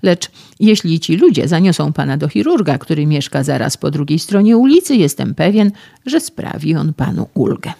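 Man reading a lecturing, patronizing doctor, dark gravelly tone, audiobook. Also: on the high side, sing-song, normal speed, heavily acted. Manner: sermonizing, patronizing. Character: self-assured, lecturing older male physician.

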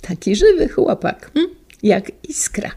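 A woman playing a frail old teacher, slow and husky. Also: medium pitch, lively intonation. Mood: wistful. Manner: soft, halting and tender. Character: frail elderly male schoolteacher, gentle, wistful.

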